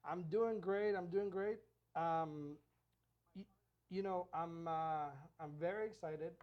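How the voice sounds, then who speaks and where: A man co-hosting a casual podcast as a real estate agent, relaxed and chatty with many fillers. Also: high voice, takes it slowly, lo-fi sound. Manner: relaxed, repeats himself, filler-heavy.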